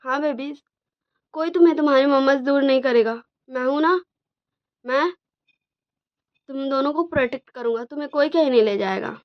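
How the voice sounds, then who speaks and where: A calm young father, firm and protective, read by a woman in her own voice. The voice is fairly high for a woman, on a dull lo-fi recording. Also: brisk, long pauses, natural voice. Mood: gentle.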